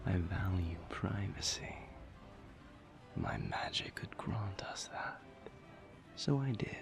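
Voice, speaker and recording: A man playing a suave, flirtatious vampire in intimate roleplay audio, with breathy half-whispers and formal, silky phrasing. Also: sits low, lively intonation, slow, music in the background, heavily acted. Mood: amused, courteous. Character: suave seductive male vampire, indulgent and flirtatious.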